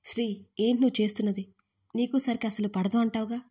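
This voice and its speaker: A woman's voice: a little high, fairly even intonation, quick pace, mellow, slightly rough. A woman voicing a blunt young female friend who scolds and insists in an audio story. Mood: scolding.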